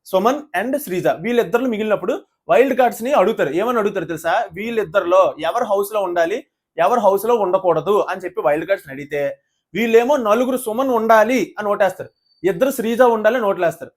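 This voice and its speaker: Brief: high-pitched man, rapid indignant show-review rant. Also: animated. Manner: indignant, rhetorical questions, fast ranting. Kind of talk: heated casual commentary.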